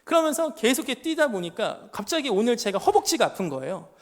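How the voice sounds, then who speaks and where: A man in his thirties preaches to young adults, his pitch rising and falling in a lively, animated way. He drives his points home with pointed rhetorical questions and stories from his own family. His voice rings out with a long reverb through the church sanctuary. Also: fast. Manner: emphatic rhetorical questions and personal family anecdotes. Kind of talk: sermon.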